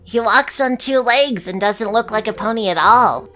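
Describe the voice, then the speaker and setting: A woman's voice: on the high side, moderate pace, pushed and bright, faint music behind. A woman voicing a young male pony colt, a whiny, eager child, in a fan fiction reading. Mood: eager, earnest. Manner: childish, whiny, hesitant wording.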